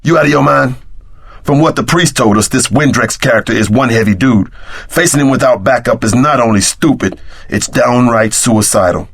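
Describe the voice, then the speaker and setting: An actor playing a streetwise, wisecracking tough sidekick in a video game, wry and wary, with slangy delivery. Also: male voice, mid-range voice, moderate pace, gravelly, breathy edge, dry recording, clean studio sound. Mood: urgent, arguing.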